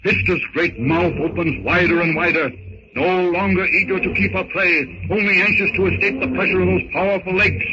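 Through the heavy noise and muffled sound of an early thirties radio recording comes a man narrating an adventure serial. His voice is high-pitched, and his delivery is theatrical and full of suspense. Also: steady tone, moderate pace. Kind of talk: 1930s radio dramatic narration. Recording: noisy, muffled early 1930s radio broadcast. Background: heavy old-recording noise.

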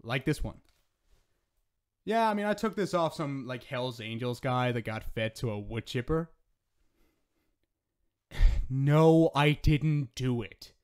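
Some guy doing a cheeky demon dude for asmr roleplay, mid-pitched, sardonic n casual, kinda flirty, swears a lot. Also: expressive, takes it slowly, long pauses, smooth. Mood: amused, boastful. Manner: casual, sardonic, foul-mouthed joking.

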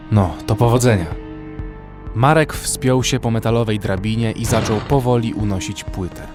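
A man's voice: fairly low pitch, natural voice. A man playing a weary armed survivor who narrates a horror audio drama in the first person. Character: weary male armed survivor narrating a frozen zombie apocalypse. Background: music bed.

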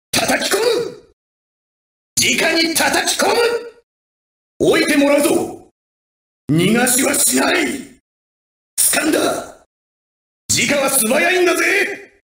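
A man playing a ruthless, proud gangster assassin in an anime video game, husky, with theatrical, menacing, rough tough-guy speech. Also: very high-pitched, animated, slow, long pauses, pushed and bright, no room sound, clean studio sound, full character voice. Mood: fierce battle shouts.

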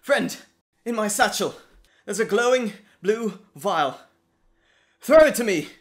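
A man's voice: high voice, lively intonation, slow pace, exaggerated voice. A man playing an earnest, nervous scientist and professor in an audio drama, with hesitant, stammering, wordy and formal speech. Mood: frightened, urgent. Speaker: voice actor. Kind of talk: dramatic roleplay audio acting.

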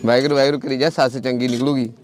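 A man's voice: mid-range voice, flat delivery, rapid-fire. A man with a Majhi Punjabi accent chatting casually and teasingly, full of folksy exclamations and blessings. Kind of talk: casual teasing chat during a wedding bangle ritual. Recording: noisy crowd and birds behind.

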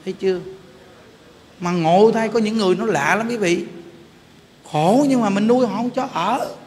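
Lively high-voiced monk in a reverberant hall. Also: male voice, normal speed. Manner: animated, laughing, addresses listeners directly. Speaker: Buddhist monk giving a dharma talk. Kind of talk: casual storytelling sermon. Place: temple hall. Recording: reverberant hall, faint background noise.

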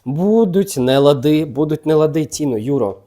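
A man's voice: fairly high pitch, lively intonation, moderate pace, dark tone. A man hosting a gossip channel, chatting casually and teasingly while reading tarot cards and talking straight to the people he gossips about. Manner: chatty and teasing, talks directly to celebrities.

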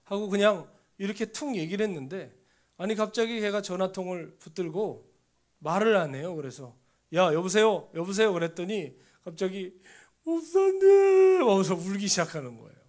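High-voiced Korean pastor telling a story. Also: male voice, moderate pace. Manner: storytelling, drops to a hushed near-whisper for inner thoughts. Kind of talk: sermon. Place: church sanctuary.

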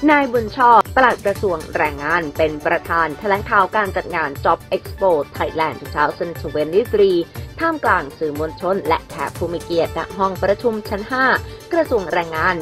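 A woman giving scripted news narration in a crisp, formal reading. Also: on the low side, fairly bright tone. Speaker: news presenter.

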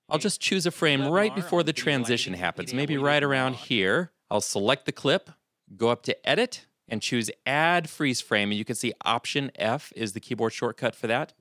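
Calm man explaining software, dry sound. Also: medium pitch, no echo. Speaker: video tutorial host. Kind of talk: screen-recorded software tutorial.

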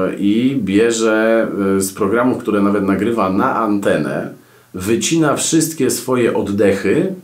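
A man hosting a podcast, giving casual radio advice with animated, ironic storytelling and asides. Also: fairly low pitch, reverberant. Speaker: podcast host and radio presenter. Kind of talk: casual advice talk to camera.

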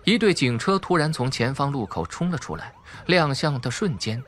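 A man's voice: medium pitch, lively intonation, normal speed. A man reading a suspense audiobook as a dramatic scripted narrator.

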